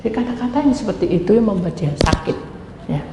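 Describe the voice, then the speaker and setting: A woman pastor preaching a lively sermon full of stories and acted-out quotes. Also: medium pitch, fast. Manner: animated, switches into acted quotes and dialect asides. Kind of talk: sermon with storytelling. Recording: echoey hall with faint noise.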